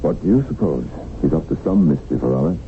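An actor playing a middle-aged kidnapped tycoon in a radio drama, worldly and defiant, with a sardonic, reflective manner. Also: male voice, rumbling low, lively intonation, fast. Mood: wry, goading. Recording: narrow-band, noisy old radio broadcast.

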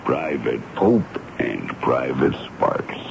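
A dull, noisy vintage radio recording features a folksy army sergeant. His voice is extremely deep and gravelly, rising and falling in lively swings as he reports deferentially in plain, ungrammatical speech. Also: takes it slowly, full character voice. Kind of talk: 1970s radio drama acting. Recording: muffled, hissy 1970s radio broadcast.

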